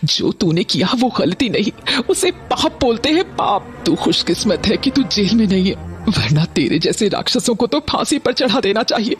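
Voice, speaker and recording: A woman's voice: medium pitch, animated, normal speed, soft background music, lightly acted. An actress playing a bitter mother who harshly orders her son out of the house, in an audio drama. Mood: furious. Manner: harsh, scolding.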